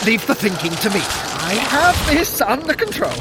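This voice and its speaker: An actor playing a smug, sardonic trickster god with a dry, self-satisfied manner in an audio adventure drama. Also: male voice, high voice, huge pitch swings, normal speed, heavy background noise. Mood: dry, confident. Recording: music behind the voice.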